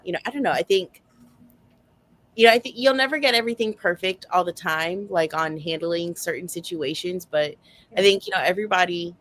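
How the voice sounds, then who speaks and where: A woman with a slightly low voice talks in a casual group chat. She is an informal book club panelist who rambles through her opinions, qualifying them as she goes. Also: brisk, a bit bright.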